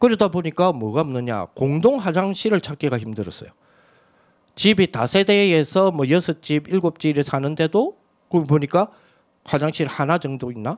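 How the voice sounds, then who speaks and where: The sound is dry and close with no echo as a man talks in a normal speaking voice, fairly high in pitch, at a moderate pace with lively intonation. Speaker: pastor. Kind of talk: lecture. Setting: pre-recorded video.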